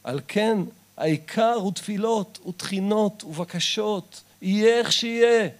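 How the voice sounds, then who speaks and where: Male preacher, high voice, fervent sermon that drops to quiet confiding asides. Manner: impassioned, swings between loud exhortation and soft confiding talk. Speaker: Breslov Torah teacher. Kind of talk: sermon reading and explaining Hasidic text.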